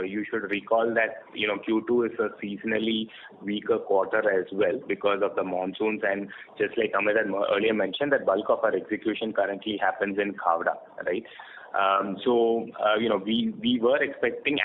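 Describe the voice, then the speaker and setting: A low-voiced man with an Indian accent answers on an earnings call as a finance executive. He is halting and corrects himself as he goes. The line is narrow and phone-like, with a faint noise behind him. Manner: halting, hesitant, many pauses and self-corrections. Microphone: conference phone call.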